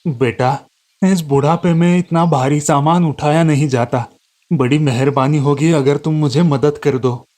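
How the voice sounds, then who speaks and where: A man voicing a tired, kindly old village man who speaks slowly and gently. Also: a little high, steady tone, natural voice. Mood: gentle. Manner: slow, gentle and weary.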